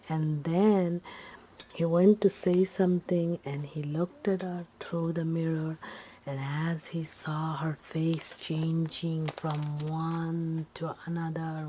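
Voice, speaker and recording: Slow, low-voiced woman telling stories in whispers. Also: a little hiss or hum. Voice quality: soft, breathy, often dropping into whisper. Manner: halting, simple repetitive phrasing. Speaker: storyteller. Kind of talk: ASMR ghost storytelling, unscripted.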